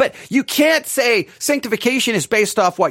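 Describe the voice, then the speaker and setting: A man with a Texan accent talks at an extremely high pitch in an animated tone and a fairly slow pace. The sound is dry and close, with no echo. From Texas. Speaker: theology podcast host and teacher. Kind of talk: theology lecture. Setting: studio.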